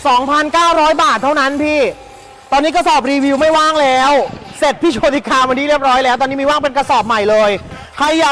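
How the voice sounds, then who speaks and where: A live-stream seller giving a fast, hyped sales pitch for second-hand clothing, chatty and persuasive, repeating phrases for emphasis. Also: a bit bright.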